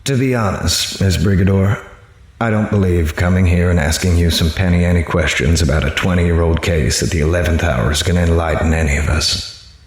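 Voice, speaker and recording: An actor playing a grave, observant newspaper reporter, narrating a horror audio drama in the first person in a measured, literary way. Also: male voice, sits low, fairly even intonation, breathy edge. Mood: dry, frank. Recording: music behind the voice.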